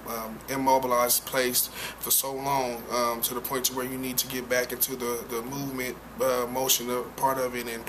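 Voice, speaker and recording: A young man being interviewed as a football player, answering in a halting way with many fillers and restarts. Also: mid-range voice. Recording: noisy background.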